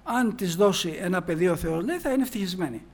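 A man preaching in a storytelling way, reading old scripture verses slowly and then explaining them in everyday speech, with many "he says" asides. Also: sits high, animated. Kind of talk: sermon retelling a Bible story.

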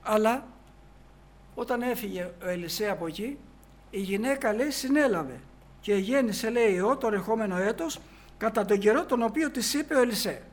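High-voiced man retelling scripture. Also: expressive. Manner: storytelling, filling the story with repeated "he says"; reads archaic scripture slowly, then explains it plainly. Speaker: preacher. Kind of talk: sermon retelling a Bible story.

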